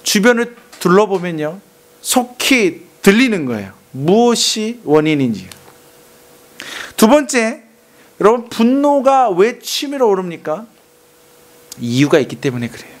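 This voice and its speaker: A male pastor preaching a sermon to young adults, animated, acting out angry outbursts and asking the congregation to repeat after him. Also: sits high. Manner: animated, acts out angry outbursts and calls for repetition.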